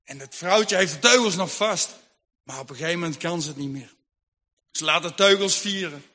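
A man telling a Christian story dramatically, often hushed and suspenseful, in a room with a long echo. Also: a little high, brisk. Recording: long hall reverb.

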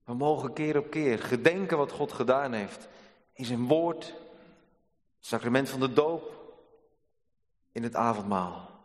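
A male pastor preaching a sermon in a church, earnest and measured, with dramatic pauses. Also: mid-range voice, lively intonation. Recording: long church reverb.

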